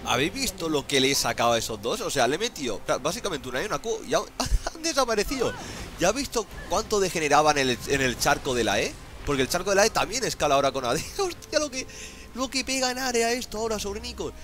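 Excitable gaming streamer, man. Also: fairly high pitch, fast talker, faint music behind. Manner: exclamatory, laughing, swears often. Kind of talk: excited gameplay commentary.

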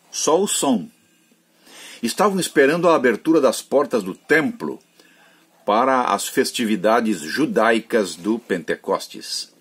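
A man's voice: medium pitch, breathy edge. An older man, a pastor, telling a Bible story in a sermon to camera from his home study, gesturing as he talks. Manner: expressive storytelling with hand gestures.

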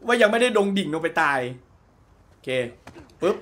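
Brief: male let's-play commentator, high and bouncy, excitable, explains everything as he plays. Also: normal speed. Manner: excitable, translates and explains game dialogue aloud. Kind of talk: casual gameplay commentary.

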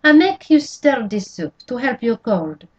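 A woman's voice: on the high side, big pitch swings, unhurried, a little mellow, voice pushed up. A woman voicing an older French-Canadian landlady, kindly but wary, with clipped, singsong phrasing, in a dull lo-fi recording.

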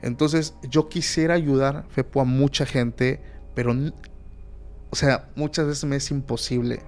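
A man's voice: mid-range voice, steady tone, unhurried, a little mellow. A man with a Mexican accent, a podcast guest telling an eerie story in a casual, emphatic way with many fillers.

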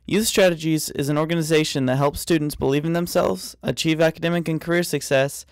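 Higher-voiced man reading narration. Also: fairly quick, smooth, dry recording, studio quality. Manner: even, read-aloud delivery. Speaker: documentary narrator. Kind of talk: scripted narration. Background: light music.

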